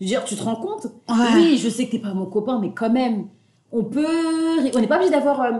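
With lively intonation and a fairly high pitch, a woman talks at a moderate pace in a plain, everyday voice. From France. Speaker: podcast host. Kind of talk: casual chat.

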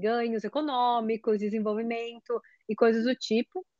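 In an unremarkable speaking voice, a woman with a fairly high pitch talks at a fairly slow pace, recorded dry and close with no echo. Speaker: climate policy expert. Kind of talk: interview.

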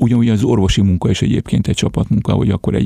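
The voice has ordinary pitch variation, sounding dry and close with no echo, over noticeable background noise. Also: man. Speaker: musician and radiologist. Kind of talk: interview.

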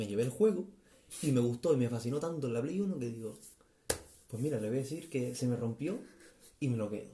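A man speaks at a very fast pace, his pitch medium. His tone is dark and mellow, somewhat breathy. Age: 20s. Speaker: podcast guest, gamer. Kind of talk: casual chat.

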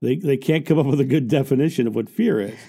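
The man's voice has a dark, mellow tone. He moves at a fairly quick pace, with very wide pitch swings. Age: 50s. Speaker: motivational speaker and stuntman. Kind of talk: interview.

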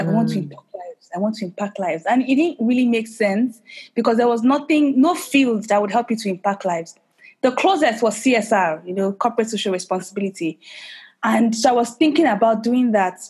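A woman with a Nigerian accent speaks at a fairly quick pace, her fairly high voice carrying lively intonation. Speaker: entrepreneur and online course coach. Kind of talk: interview, telling her story.

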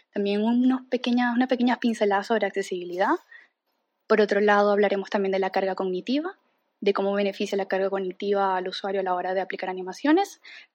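Talking at a very fast pace, a woman keeps a medium pitch and fairly even intonation. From Venezuela. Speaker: UX designer. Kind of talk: lecture.

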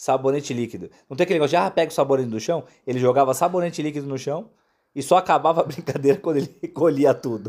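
A man with a fairly high pitch talks very fast with ordinary pitch variation, recorded very cleanly against a silent background. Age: 20s. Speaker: podcast host. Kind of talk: casual chat.

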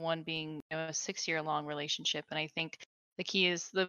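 An ordinary speaking voice with an American accent. The pace is fairly quick. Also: woman. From Arizona. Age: 20s. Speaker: streamer. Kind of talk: casual chat. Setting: online call.

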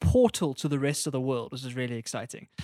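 A man speaks at a very fast pace with a fairly high pitch. The sound is dry and close, with no echo. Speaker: podcast co-host. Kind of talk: casual chat. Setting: video call recorded for YouTube. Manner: fast talker.

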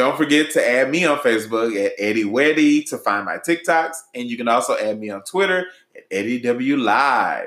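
A man with a normal speaking voice talks at a moderate pace and a fairly high pitch, with hardly any pauses. His intonation is lively, and his loudness swings widely. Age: 30s. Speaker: podcast host. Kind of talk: casual chat.

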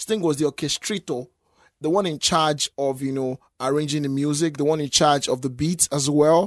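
With a Nigerian accent, a man talks at a fairly high pitch and a fairly quick pace. The recording is very clean, over a silent background. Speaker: podcast host. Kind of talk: casual podcast conversation.

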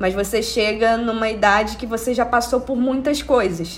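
Audible room echo surrounds a woman who speaks at a fairly slow pace with a fairly high pitch and vocal fry. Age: 30s. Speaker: podcast co-host. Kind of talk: casual chat.

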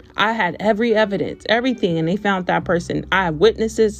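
With an American accent and vocal fry, a woman talks in an animated tone at a fairly quick pace, her fairly low voice showing ordinary pitch variation. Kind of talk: devotional talk and prayer. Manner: fast talker.

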